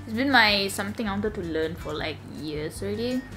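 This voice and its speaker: A young woman from Malaysia with a slightly raspy, low voice, chatting casually in a sit-down vlog at home, rambling with lots of fillers. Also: expressive, brisk, sharp tone, soft background music. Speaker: vlogger. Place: home room.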